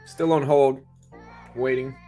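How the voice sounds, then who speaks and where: A man's voice: medium pitch, steady tone, takes it slowly, warm tone, faint music behind. A man hosting a livestream, chatting casually and informally, speaking directly to his viewers. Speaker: livestream host.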